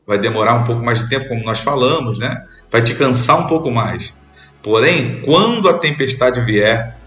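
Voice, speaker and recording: In an echoey room, a bishop from Brazil delivers an earnest sermon in a mid-range, slightly bright voice. He repeats phrases for emphasis and leaves pauses between them.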